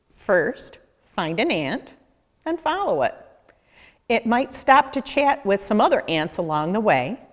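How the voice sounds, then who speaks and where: A woman reading a children's book aloud, expressively and deliberately, as a nature educator speaking to young listeners. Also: mid-range voice. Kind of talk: children's read-aloud narration. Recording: echoey, reverberant room.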